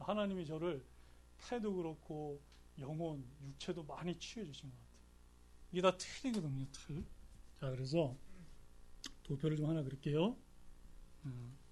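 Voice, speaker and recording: Somewhat breathy, a man speaks at a fairly high pitch and moderate pace with ordinary pitch variation, big swings in loudness, and long, frequent pauses, amid audible room echo. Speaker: pastor. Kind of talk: sermon. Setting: church service. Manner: animated, rhetorical questions to audience.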